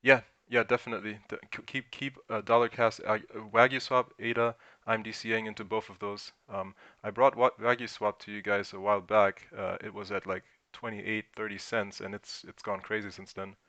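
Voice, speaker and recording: German-born guy hosting a livestream, gravelly voice, bright forceful edge, talks things through out loud. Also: fairly low pitch, level tone, moderate pace, hardly any pauses, no room sound, highs cut off. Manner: thinks aloud while reading chat questions. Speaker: crypto livestream host. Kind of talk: casual livestream Q&A.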